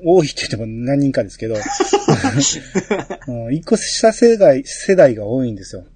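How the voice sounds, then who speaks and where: A man hosting a casual podcast, reading listener mail aloud with a relaxed, teasing manner. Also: mid-range voice, moderate pace. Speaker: podcast host.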